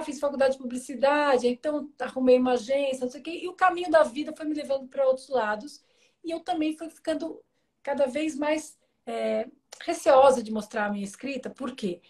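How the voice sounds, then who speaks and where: A Brazilian woman in her forties with a high, light voice. She talks openly about her own life as an interview guest, mixing frankness with a humorous, lively way of telling stories. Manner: candid, humorous, lively storytelling. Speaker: guest, author. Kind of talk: casual interview chat.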